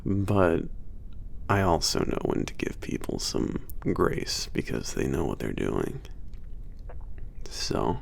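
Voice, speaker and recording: Man playing a low, gravelly, laid-back werewolf trainer. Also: very animated, exaggerated voice. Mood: relaxed, frank. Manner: casual, teasing, sweary, halting. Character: young laid-back, cocky werewolf maintenance trainer at spaceport. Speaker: trainer showing a new hire around. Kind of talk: ASMR roleplay, casual one-sided conversation.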